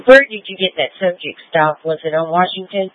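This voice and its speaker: A woman's voice: lowish voice, a little fast, no room sound. A woman working as a police radio dispatcher, reading out records and bulletins in a procedural way over the radio. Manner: procedural, spells out with phonetic words and digits. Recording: muffled lo-fi police radio transmission.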